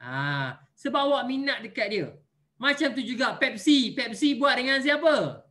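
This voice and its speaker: A man teaches an online religion class with a bright, forceful voice. He explains patiently and jokes with playful everyday examples for his pupils. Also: very high voice, lively intonation, normal speed, a little hiss or hum.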